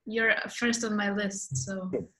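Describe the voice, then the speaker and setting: A woman's voice: mid-range voice, steady tone, measured pace, bright, forceful tone. A woman leading an introduction round on a video call, hesitant and full of fillers. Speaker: moderator of introductions. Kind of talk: casual meeting facilitation.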